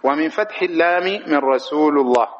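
A man's voice: a little high, a little fast, lo-fi sound. A man teaching a lesson on religious law, explaining a text line by line and stopping to pose questions he answers himself. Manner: keeps asking rhetorical questions and answers them himself; demonstrates correct and wrong pronunciations. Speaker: teacher of Islamic jurisprudence.

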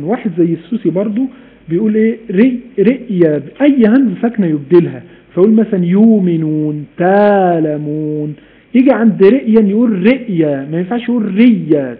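A man with an Egyptian accent teaching a live-streamed Quran recitation lesson, animated and repeating key points while quizzing his students. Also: high voice. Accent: Egyptian Arabic. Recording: phone-like live stream audio with faint noise.

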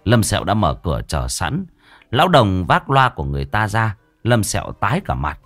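A man narrates a comic tale in a lively, colloquial way. His voice is low but moves a lot, with music playing faintly behind. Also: moderate pace, no echo. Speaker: storyteller. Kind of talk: comic storytelling.

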